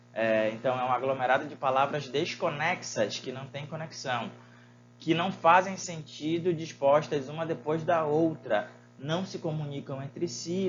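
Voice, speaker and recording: A man's voice: fairly high pitch, muffled recording, slight background noise. A man teaching a Portuguese lesson, asking his students rhetorical questions and using many fillers. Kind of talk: recorded online lesson.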